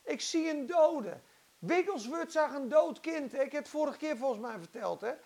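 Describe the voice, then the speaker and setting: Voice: high voice, expressive, moderate pace, vocal fry, darkish tone. A preacher delivering an impassioned, dramatic sermon and acting out Bible stories.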